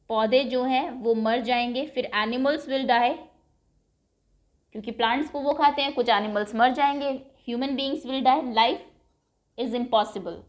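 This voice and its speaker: A woman teacher talks through a children's English lesson at an unhurried pace, her voice pitched a little high. She reads English lines slowly and then explains them patiently in Hindi, saying words over and over for the pupils. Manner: switches between reading English aloud slowly and explaining in Hindi.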